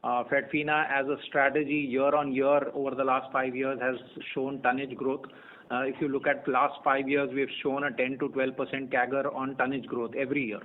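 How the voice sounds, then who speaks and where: A tinny conference phone line carries an Indian-accented man speaking as a company executive. He answers in a measured, halting way, circling back over phrases as he looks for the next word. His pitch sits in a middle male range. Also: flat delivery. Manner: halting, measured, repeats phrases while searching for words. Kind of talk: earnings call answers, unscripted.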